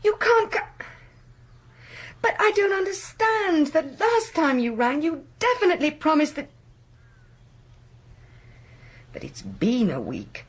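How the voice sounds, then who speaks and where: A woman's voice: high-pitched, sing-song, measured pace, no echo. Genteel, brittle lady, swooping intonation. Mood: anxious, disappointed. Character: lady of the house, genteel, lonely, brittle and insistent. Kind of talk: BBC radio horror play acting.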